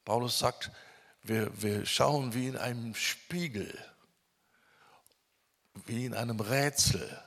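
A man preaching a sermon with emphasis, drawing out key words slowly when he lists them. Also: mid-range voice, fairly bright tone. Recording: long reverb of a hall.

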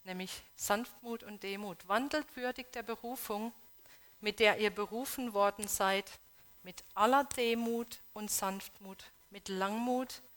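Speaking unhurriedly at a medium pitch, a woman delivers an earnest sermon that challenges her congregation with questions. Her delivery moves from loud pleas to quiet, hushed emphasis.

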